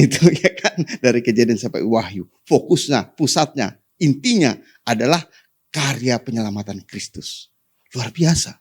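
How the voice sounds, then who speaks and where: A pastor preaching to his congregation, often calling for amen, rising to sudden high emphatic peaks and dropping to soft endings. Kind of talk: sermon.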